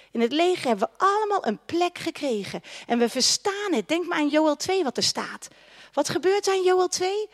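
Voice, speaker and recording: A woman preaching a sermon to a congregation, impassioned, with repeated declarations and commands. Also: sits high. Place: church hall with congregation.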